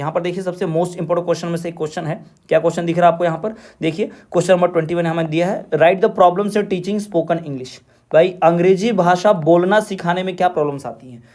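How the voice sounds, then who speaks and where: A man teaching an exam-prep lesson from his coaching class, reading English questions slowly and then explaining each one and repeating the answers. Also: sits high, a little mellow.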